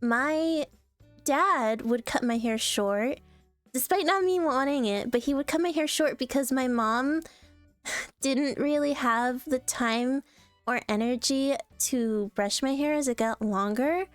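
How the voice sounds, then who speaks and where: A young adult woman streaming casually, reacting to posts in a playful, animated way and laughing often. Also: high voice, slow pace, no room sound, soft background music.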